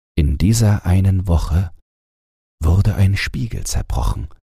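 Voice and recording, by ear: A slow, low-pitched male voice, dark and mellow with a husky, rough edge and lively intonation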